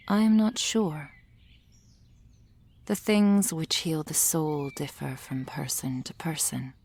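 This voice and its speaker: A woman's voice: low-pitched, slightly rough, full character voice. A woman playing a whispering soul healer. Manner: soft whispering, soothing and formal. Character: gentle female soul healer, calm and reassuring. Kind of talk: ASMR roleplay.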